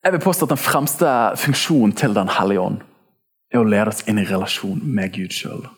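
A man preaching in a lively, casual way, throwing in slang as he addresses his church. His voice sits fairly low and has a gravelly, husky edge. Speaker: pastor. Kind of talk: sermon.

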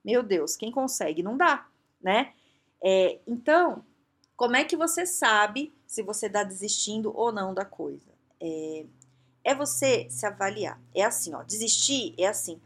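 A woman with a Brazilian Portuguese accent giving advice in a casual monologue, lively and conversational, often checking that the listener follows. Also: medium pitch, a little slow. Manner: conversational, keeps asking "entende?"; lively, acts out quoted inner voices. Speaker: advice speaker.

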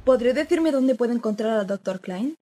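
A woman's voice: a little high, expressive, brisk, noisy background, natural voice. A woman playing an inquisitive young journalist. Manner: inquisitive, polite. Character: young female journalist, curious and persistent. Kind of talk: radio drama acting.

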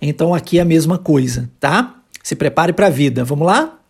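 A Brazilian language teacher hosts an informal audio lesson at a middling pitch. The delivery is conversational and emphatic, explaining things plainly and often checking in with short tag questions. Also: lively intonation, moderate pace, gravelly, breathy edge. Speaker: English teacher and podcast host.

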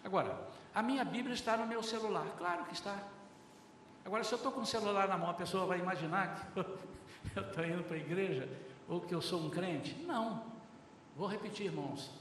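High-voiced Brazilian pastor preaching in an echoey hall. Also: male voice, brisk, slight background noise. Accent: Brazilian Portuguese. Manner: lively, acts out dialogues, often addresses the congregation as brothers. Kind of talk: sermon. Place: large church hall. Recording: very echoey hall, heard from far off.

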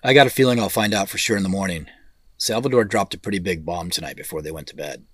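A dry, close recording of a lowish male voice, an actor's, playing a thoughtful executive in an audio drama. He is wry and understated, talking naturally as he reasons through a puzzle. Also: quick pace, a bit bright, no echo. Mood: pensive.

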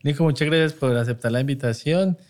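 A man's voice: mid-range voice, brisk, darkish tone. A man from Colombia speaking, co-hosting a podcast and asking questions with frequent hesitations. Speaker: podcast co-host. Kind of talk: casual conversational interview.

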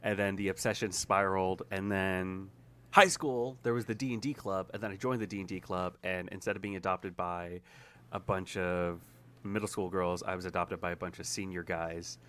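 A young man, a guest on a casual podcast, telling animated stories and laughing often. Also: low-pitched, normal speed. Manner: animated storytelling with frequent laughs. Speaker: guest YouTuber.

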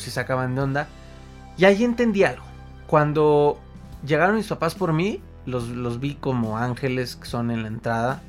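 Young Mexican man, motivational speaker; slightly raised pitch, emotional and animated, repeats words for emphasis, soft music underneath. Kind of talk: personal storytelling talk.

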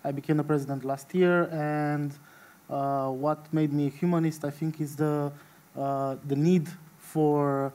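Male panel guest, Romanian accent, soft mellow tone, fairly high pitch, hesitant phrasing. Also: flat delivery, clean tone. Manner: halting, broken phrasing. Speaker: panel guest, association president. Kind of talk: unscripted self-introduction at a panel.

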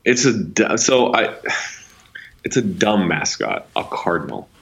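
Lively, bright-voiced man ranting about sports. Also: sits low, measured pace, vocal fry, low-quality recording. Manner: ranting, exasperated, swears. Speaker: podcast co-host. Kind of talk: casual sports chat.

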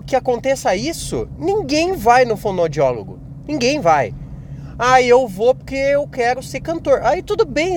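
Rambling high-voiced man, joking monologue. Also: slight background noise. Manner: rambling, self-mocking, animated. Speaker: podcast host. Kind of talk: casual comedic monologue.

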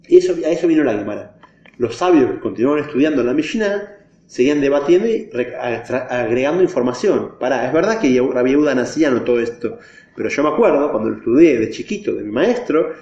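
A male teacher leads a classroom lesson, explaining ideas step by step and throwing questions to the class. His voice sits at an ordinary middle pitch. The recording is dull and lo-fi, with a roomy echo. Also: a little mellow. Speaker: religion teacher. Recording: echoey, dull lo-fi room recording.

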